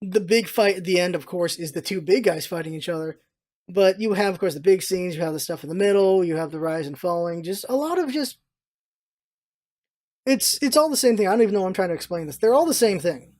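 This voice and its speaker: A man's voice: high voice, brisk, darkish tone. A male vlogger talks off the cuff and gives his opinions freely. He rambles through his points and often says a phrase again to drive it home. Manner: rambling, repeats himself for emphasis. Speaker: vlog host, gaming content creator. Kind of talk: casual opinionated commentary.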